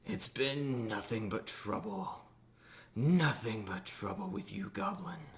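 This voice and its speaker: A man's voice: medium pitch, big pitch swings, takes it slowly, pitched above the performer's own voice. A man voicing a testy undead miner from a tabletop fantasy game, exasperated and formal in an old-fashioned way. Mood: weary scolding. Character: testy, mannered undead miner in construction hat.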